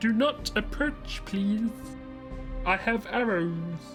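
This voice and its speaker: A female-sounding put-on character voice with fairly high pitch moves very slowly over clear background music. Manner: ominous, eerie.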